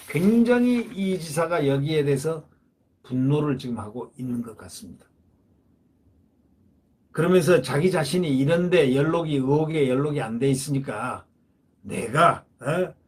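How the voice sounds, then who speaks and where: A man's voice: on the high side, darkish tone, husky. A man giving solo political commentary, talking emphatically and repeating phrases to drive his points home.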